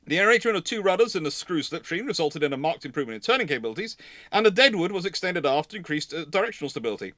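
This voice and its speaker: A man's voice: high-pitched, fairly bright tone, no echo, clean studio sound. A man hosting a history livestream, giving casual expert commentary in an explanatory, digressive and emphatic way.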